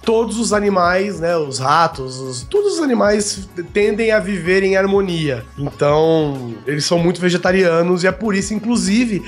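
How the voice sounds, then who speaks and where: A man's voice: high voice, lively intonation, moderate pace, hardly any pauses, faint music behind. A Brazilian man co-hosting a podcast, explaining facts in a long, casual way with lots of filler tags. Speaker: podcast co-host.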